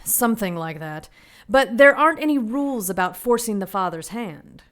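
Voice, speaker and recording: An actress playing a calmly authoritative, knowing Catholic nun in an audio drama. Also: female voice, mid-range voice, normal speed, natural voice. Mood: grave, urgent.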